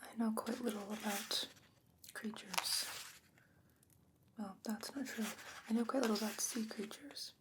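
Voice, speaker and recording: Woman acting as composed old sorceress, breathy near-whisper, gently chiding, deliberate phrasing, fantasy ASMR roleplay, audible background noise and clicks. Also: a little high, steady tone, lightly acted. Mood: patient, explaining.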